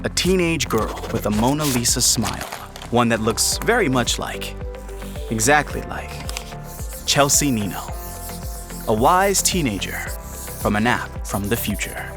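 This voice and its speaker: A man's voice: mid-range voice, expressive, measured pace, pauses often, over music. A man narrating a scripted audio fiction drama.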